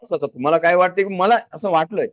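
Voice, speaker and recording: A man's voice: high-pitched, quick pace, no room sound. A man guest telling how he built his business, in an earnest, plain-spoken way with many restarts. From Maharashtra, India. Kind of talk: casual storytelling interview. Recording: dull lo-fi audio.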